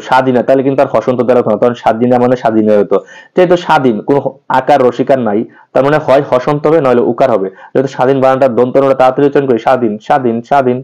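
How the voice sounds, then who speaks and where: A man's voice: mid-range voice, dark tone. A male teacher hurries through an exam-prep grammar lesson, saying each example word over and over and quizzing the class before answering himself. He tosses English words into his speech, and the recording sounds dull and lo-fi. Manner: repeats example words aloud, asks and answers his own questions; casually mixes in English words.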